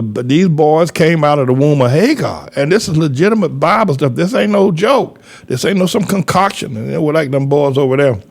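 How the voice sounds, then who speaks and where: A man's voice: on the high side, creaky. An older man from North Carolina, preaching in an emphatic, repetitive, folksy way as a pastor giving commentary. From North Carolina, USA.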